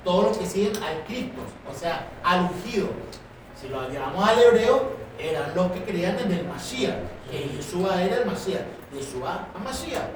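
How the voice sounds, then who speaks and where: A man's voice: high voice, expressive, moderate pace. Questioning man teaching in an echoey room. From born in Chile, raised in Venezuela. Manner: probing, keeps asking rhetorical questions. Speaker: teacher leading a Bible class. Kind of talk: Socratic class discussion. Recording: echoey room, voice from far off, noisy.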